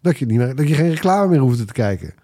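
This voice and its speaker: A man's voice: mid-range voice, expressive, fast, mellow. A man chatting casually as a podcast panelist, in a piecemeal, hesitant way with some English phrases mixed in. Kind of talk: casual opinionated chat.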